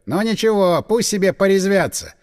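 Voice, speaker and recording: A gruff army commander, sneering and bossy, with a lively, swinging voice, as a male narrator puts him on. The storybook reading has a long hall reverb behind it. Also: high voice, normal speed. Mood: scornful. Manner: sneering, barking orders.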